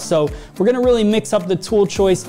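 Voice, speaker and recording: A man talks at a very fast pace in a high pitch with ordinary pitch variation. Faint music plays in the background. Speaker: hairdressing educator. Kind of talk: tutorial. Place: studio.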